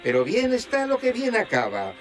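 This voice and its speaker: An actor playing a slick, sensationalist reality TV presenter, narrating dramatically with a Castilian Spanish accent. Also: male voice, very high voice, wildly swooping pitch, normal speed, heavily acted. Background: music.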